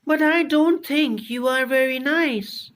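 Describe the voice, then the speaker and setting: Anxious young woman, high and pleading; a man doing it. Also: slow, fairly bright tone, exaggerated voice. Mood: reproachful. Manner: pleading, pitched up. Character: anxious young woman artist, caring friend.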